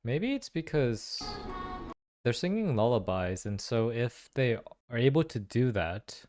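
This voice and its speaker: A man's voice: medium pitch, sing-song, measured pace, over music. A man giving casual game reaction and analysis commentary, musing aloud with lots of questions and informal slang. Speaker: reaction video host.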